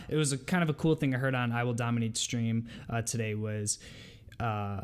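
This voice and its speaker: Male gaming channel host, stuffed up with a cold, medium-pitched, informal delivery that thinks aloud through casual update commentary. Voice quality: congested, stuffy. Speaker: video game channel host. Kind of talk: casual patch notes commentary.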